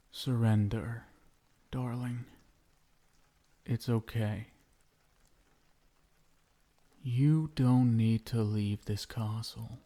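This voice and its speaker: A possessive, lovestruck vampire husband, acted by a man for an ASMR roleplay, menacing yet doting. His voice is low and dark, crooning very slowly with lingering pauses and a gravelly edge. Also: heavily acted. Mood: coaxing, adoring. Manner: hushed, crooning, lingering pauses, tender pet names. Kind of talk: intimate ASMR roleplay, soft and slow.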